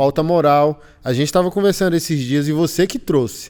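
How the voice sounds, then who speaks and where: This very clean recording with a silent background carries a dark, mellow tone and lively intonation. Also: man. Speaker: pastor and podcast host. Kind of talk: podcast conversation.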